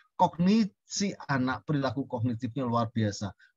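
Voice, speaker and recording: A man speaks at a medium pitch and a moderate pace, his intonation lively. Music plays in the background, and the sound is dry and close with no echo. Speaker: art education expert. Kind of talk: lecture. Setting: video call. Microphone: choppy connection.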